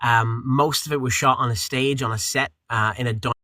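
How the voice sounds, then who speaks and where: Guy voice actor, rambly, lots of ums, bright tone, dead dry sound. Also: medium pitch, a little fast, no room sound. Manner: rambling, relaxed, with frequent fillers and restarts. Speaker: voice actor and audiobook narrator. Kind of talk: casual interview chat.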